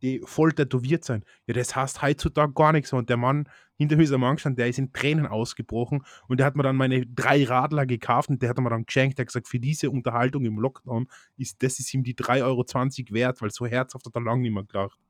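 A young man with an Austrian German accent, co-hosting a casual podcast chat and telling stories with quick laughs. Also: mid-range voice, steady tone, dry recording, studio quality. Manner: chatty, storytelling, quick laughs. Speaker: podcast co-host.

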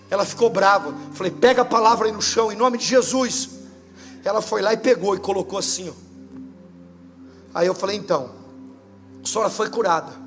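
A Brazilian man preaching a sermon as pastor, telling funny stories and acting out the dialogue. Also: high voice. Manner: lively humorous storytelling, acting out dialogue. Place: church service.

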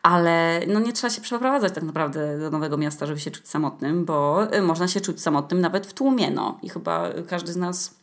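A woman's voice: fairly low pitch, fairly quick, hardly any pauses. A young woman hosting a podcast, talking in a chatty, colloquial and playfully ironic way. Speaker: podcast host. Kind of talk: casual solo podcast monologue.

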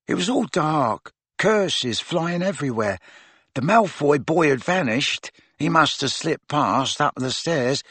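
A man's voice: a bit bright, husky, no echo, heavily acted. A man voicing a shaken witch fighter who recounts a battle in clipped, urgent phrases with a hollow tone. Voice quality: low, hollow.

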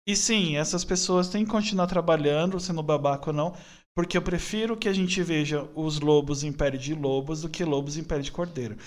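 Brief: late-20s São man, opinionated podcast guest, rambling but earnest, voice a touch high. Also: a little fast. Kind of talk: casual podcast conversation.

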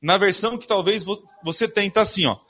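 A man with a high, breathy-edged voice and a sharp tone preaches quickly in a church. Reading Bible verses aloud, he keeps questioning the congregation and answering for them.

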